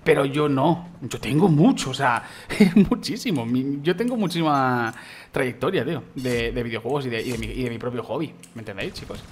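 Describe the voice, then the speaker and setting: Fast-talking gamer man. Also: mid-range voice, lively intonation, a little hiss or hum. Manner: rambling, repeats himself, addresses viewers as chicos. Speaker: gaming YouTuber. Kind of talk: casual gameplay commentary.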